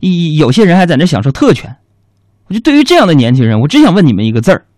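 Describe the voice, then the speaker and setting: A man's voice: fairly high pitch, wildly swooping pitch, rapid-fire, a little mellow, no room sound, clean studio sound. A man hosting a radio show with a comic monologue, telling jokes at his own expense. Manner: joking, self-mocking storytelling. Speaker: radio host.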